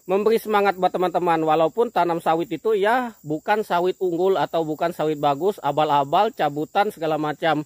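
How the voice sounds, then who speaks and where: A man's voice: a little high, brisk, hardly any pauses, no room sound. A man from with a speech impediment that blurs one sound. He is an oil palm farmer talking casually to camera outdoors in his plantation, apologetic and repetitive, often starting with "nah". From Kalimantan, Indonesia.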